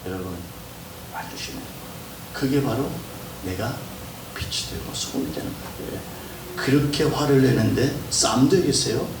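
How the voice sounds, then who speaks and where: A middle-aged male pastor preaching a sermon, swinging between loud exhortation and soft hushed asides and acting out family voices. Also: medium pitch, animated, normal speed. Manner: acts out scolding and kind family voices. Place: church hall. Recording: roomy, distant mic with background noise.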